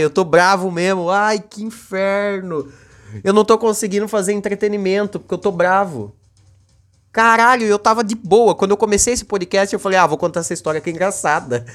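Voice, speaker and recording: Young man, Brazilian accent, high-pitched, casual podcast rant, slangy, repeats himself, faint background music. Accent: Brazilian Portuguese. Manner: heated, slangy, repeats himself when worked up. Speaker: podcast host. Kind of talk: casual solo podcast monologue.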